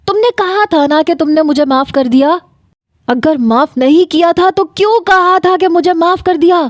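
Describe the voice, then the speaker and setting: Desperate, obsessive young man, voiced by a woman narrator; agitated pleading, high and warm. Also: no echo, studio quality, close to an everyday voice.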